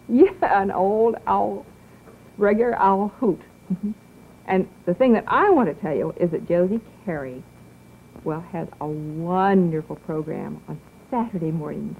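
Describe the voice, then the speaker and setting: A middle-aged woman hosting a children's television show, coaxing and teacherly, talking slowly and sweetly to young viewers and then to their parents. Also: on the low side, gravelly, a little hiss or hum. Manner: slow, coaxing, sing-song teacherly delivery. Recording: tinny old 1950s broadcast audio.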